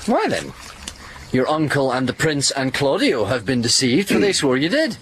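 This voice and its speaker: A man's voice: mid-range voice, sing-song, normal speed, heavy background noise, lightly acted. A man playing a bashful young nobleman in a classic stage comedy, stammering and hesitating as he speaks. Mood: flustered. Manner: stammering, hesitant, with nervous laughs.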